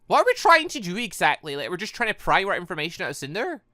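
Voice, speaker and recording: A video game let's-player giving rambling, excitable, casual commentary while playing. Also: medium pitch, quick pace, dry recording, studio quality. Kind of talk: casual gameplay commentary and read-aloud.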